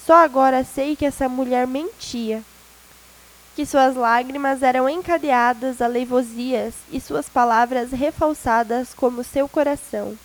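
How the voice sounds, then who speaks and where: A woman reading a literary novel aloud in a measured, expressive way. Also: sits high, poor audio. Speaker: audiobook reader.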